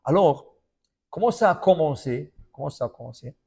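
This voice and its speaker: A high-voiced man preaching as a rabbi. He tells stories with animated swings of pitch and loudness, repeats phrases for emphasis and keeps checking that his listeners follow. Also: normal speed, vocal fry, breathy edge. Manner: animated storytelling with many repetitions; often checks in with "ok?". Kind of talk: sermon.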